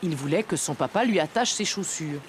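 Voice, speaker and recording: A woman giving calm, explanatory scripted narration for a children's cartoon. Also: low-pitched, brisk, very noisy.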